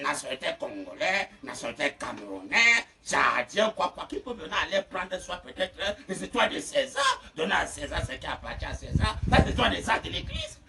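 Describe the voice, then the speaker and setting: A man preaching a fiery sermon, shouting and laughing between phrases. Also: high voice. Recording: distant mic with faint noise.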